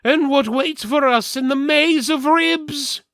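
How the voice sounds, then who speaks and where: A man voicing an excitable, urgent adventurer twin in a fantasy story, in a shrill manner. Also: slow pace, vocal fry, no echo, studio quality, full character voice. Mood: urgent questioning.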